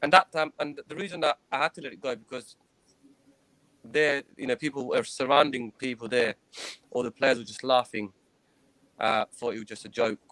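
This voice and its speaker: A man in his thirties, a guest in an interview, recounting his own experiences in an earnest, hesitant way, pausing and restarting often. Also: mid-range voice, steady tone, pushed and bright, no room sound, low-quality recording. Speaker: guest, former professional cricketer.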